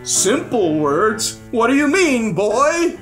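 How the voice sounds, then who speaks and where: A woman's voice: sits high, lively intonation, a little slow, a bit bright, faint music behind, pitched above the performer's own voice. Woman voicing a pompous, blustering old king. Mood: indignant. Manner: pompous, bellowing and groaning.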